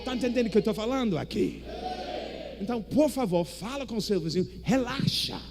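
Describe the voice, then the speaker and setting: A male preacher with an English-speaking foreign accent, delivering a theatrical charismatic sermon in halting, non-native speech. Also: sits high, animated, noisy background. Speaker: guest preacher. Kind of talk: charismatic sermon in Portuguese as a second language.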